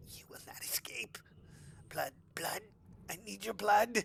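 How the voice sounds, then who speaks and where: A man's hissing, whispering put-on character voice with a menacing tone. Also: fairly slow pace. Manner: creepy, hissing, menacing whisper.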